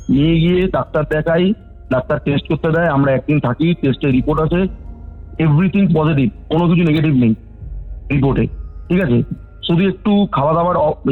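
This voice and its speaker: Male caller, 30s, narrates a personal account over a phone-like line, restarts often. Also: on the high side. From West Bengal, India. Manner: rambling, self-correcting, quotes others. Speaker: caller telling a ghost story. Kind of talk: phone-call storytelling. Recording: phone-line recording with faint music.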